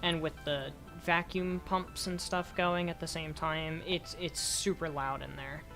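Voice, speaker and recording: Hoarse young woman, low slow voice. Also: steady tone, fairly bright tone, faint music behind. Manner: rambling, talks to herself while playing. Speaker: game streamer. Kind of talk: casual gameplay commentary.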